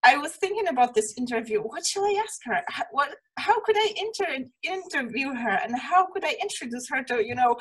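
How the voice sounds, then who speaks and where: A woman's voice: high voice, animated, fairly quick, few pauses, low-quality recording. A woman hosting a casual interview, speaking in an enthusiastic, informal way. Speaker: interview series host.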